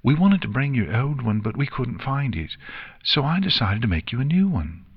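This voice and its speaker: A sweet, chirpy young filly, voiced by a male narrator for a storybook. The pitch sits well up high and the delivery is earnest and childlike, recorded close and dry. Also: big pitch swings, moderate pace, husky, dry recording, narrow, tinny audio. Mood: earnest, cheerful.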